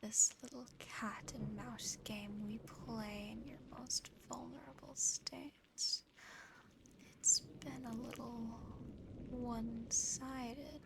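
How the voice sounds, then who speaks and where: A woman's voice: fairly high pitch, background noise. A woman voicing a seductive, possessive female demon in a whispered ASMR roleplay, close to the microphone, with a teasing, smug delivery. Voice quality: soft, breathy whisper. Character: seductive, possessive female sleep-paralysis demon admiring a human.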